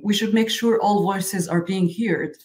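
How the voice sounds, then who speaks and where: A woman in her thirties from Egypt, a software engineer answering interview questions earnestly, often saying "like". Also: mid-range voice, fairly even intonation, measured pace. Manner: frequent "like" fillers, earnest.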